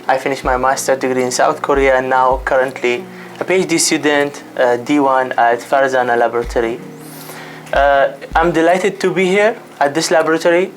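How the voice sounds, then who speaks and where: Young Arab-man, halting student. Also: mid-range voice, fairly even intonation, slight background noise. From Iraq. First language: Arabic. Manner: halting, frequent fillers. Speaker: PhD student. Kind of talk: interview, self-introduction. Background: faint music.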